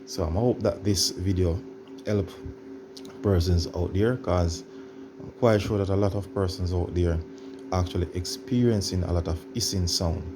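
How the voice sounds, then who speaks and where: A man presenting an informal how-to demonstration, explaining in a halting, repetitive way and addressing viewers directly. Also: low voice, background noise. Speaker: tutorial presenter.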